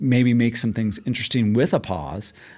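A man's normal speaking voice in an American accent, at a medium pitch and moderate pace with ordinary pitch variation, on a very clean recording with a silent background. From southwest Missouri, then Indianapolis. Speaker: stand-up comedian. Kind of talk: casual interview chat.

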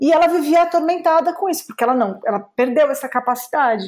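On a very clean recording with a silent background, a woman speaks at a high pitch with very wide pitch swings. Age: 40s. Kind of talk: interview.

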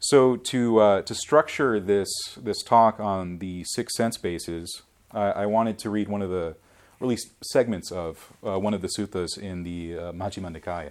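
The speech moves at a moderate pace with ordinary pitch variation. Its loudness swings widely. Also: man. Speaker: Buddhist teacher. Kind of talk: dharma talk. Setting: temple with audience. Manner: hesitant, repeats words.

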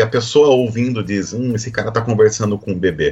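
Against noticeable background noise, a man with a São Paulo interior accent speaks at a medium pitch with ordinary pitch variation. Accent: Piracicaba accent, noticeable. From Brazil, Piracicaba (São Paulo interior). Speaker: pastor, church planting network leader. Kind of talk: podcast discussion.

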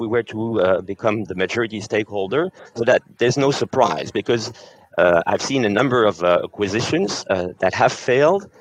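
A man with a French accent, medium in pitch, with lively intonation at a moderate pace, in dry, close sound with no echo. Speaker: venture capital investor. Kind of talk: panel discussion. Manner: halting.

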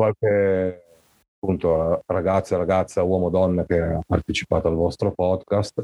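Speaking at a fairly slow pace, a man uses a very deep, low voice with fairly even intonation. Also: very even loudness. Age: 40s. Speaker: sales agent with multiple sclerosis. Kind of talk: casual interview.

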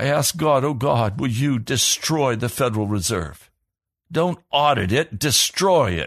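With an American accent and vocal fry, a man speaks in a passionate, intense tone with lively intonation. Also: medium pitch for a man. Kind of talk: sermon; fervent prayer and preaching, imprecatory and urgent. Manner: passionate, intense, forceful; emphatic, repetitive, thundering denunciation.

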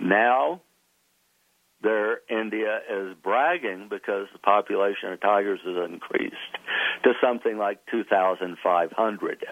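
This is a normal speaking voice, a man's, fairly low in pitch, with ordinary pitch variation, a fairly slow pace and big swings in loudness. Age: 60s. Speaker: environmental activist and author. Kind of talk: interview.

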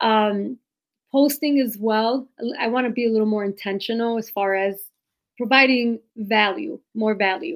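A woman talks with an unremarkable speaking voice at a fairly high pitch. Her pace is moderate, with ordinary pitch variation. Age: 40s. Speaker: real estate agent. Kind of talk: interview.

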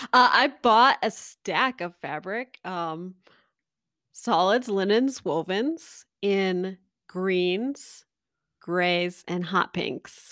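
In a Midwestern American accent, a woman talks at a very slow pace and a medium pitch, with a bright, sharp tone and lively intonation. The recording is very clean, with a silent background. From US Midwest, central Illinois. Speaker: quilt artist and teacher. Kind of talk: casual chat.

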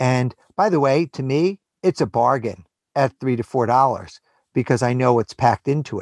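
A man with an American accent uses a normal speaking voice at medium pitch, moving at a moderate pace with ordinary pitch variation against a quiet background. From New York City. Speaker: entrepreneur and author. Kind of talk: interview.

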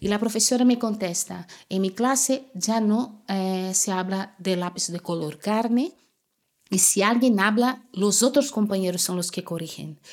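A woman with a Brazilian accent speaks fairly slowly at a medium pitch with ordinary pitch variation, on a very clean recording with a silent background. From Brazil, Rio de Janeiro. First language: Portuguese (speaking Spanish). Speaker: photographer and artist. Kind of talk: casual chat.

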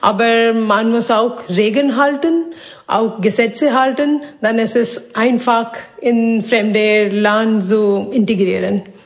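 Noticeable background noise accompanies a woman with an Indian accent whose fairly high pitch shows ordinary variation. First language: Indian language (speaking German). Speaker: immigrant mother. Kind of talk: testimony.

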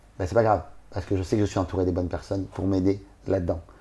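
The man's voice is fairly low in pitch, with a dark, mellow tone and a somewhat breathy quality. He talks at a very fast pace. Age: 40s. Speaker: online entrepreneur and trainer. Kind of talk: casual interview conversation. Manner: hesitant, with many repetitions and fillers.

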